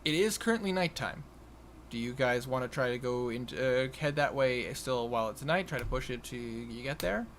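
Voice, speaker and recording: A man improvising narration as game master of a tabletop game, haltingly repeating and restarting his phrases. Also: medium pitch, animated, a bit bright. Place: online voice call. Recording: noisy home voice-chat recording.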